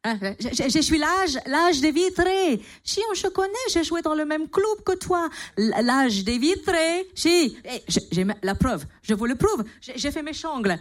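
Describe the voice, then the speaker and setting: A woman's voice: sits high, lively intonation, unhurried, few pauses. A woman doing a gushing cleaning lady, Spanish accent. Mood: teasing. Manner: chatty, fussy, teasing. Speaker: radio comedy character. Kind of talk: comedy sketch. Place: radio studio.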